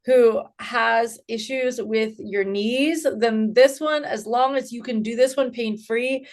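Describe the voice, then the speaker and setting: Woman, high voice, fitness co-host, earnest explaining. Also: fairly even intonation, takes it slowly. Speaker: co-host and trainer. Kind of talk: casual exercise coaching.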